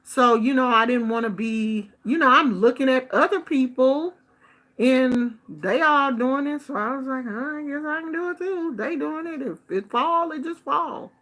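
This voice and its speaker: A middle-aged woman from the United States telling a casual story in a chatty, expressive way, acting out the people she quotes. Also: high-pitched, normal speed. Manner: chatty, expressive, animated quoting of others. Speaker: vlogger. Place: Bay Area.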